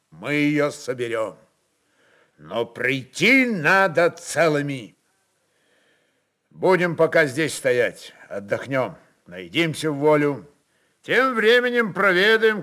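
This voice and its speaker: A man voicing a forceful Cossack chieftain in a storybook reading, speaking in curt, authoritative, barking phrases. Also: fairly high pitch.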